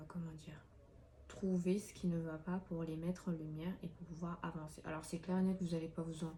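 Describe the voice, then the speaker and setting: A woman's voice: on the low side, warm tone. Chatty woman reading tarot cards. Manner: chatty, many fillers and restarts. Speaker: tarot card reader. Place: room with an open window. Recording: faint street noise through window.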